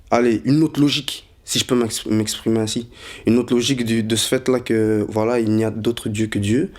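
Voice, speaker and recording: A man's voice: medium pitch, darkish tone. A man in his twenties from Congo, raised in Brussels, telling his own story hesitantly with many fillers. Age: 20s. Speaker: interviewee. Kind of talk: personal testimony, unscripted.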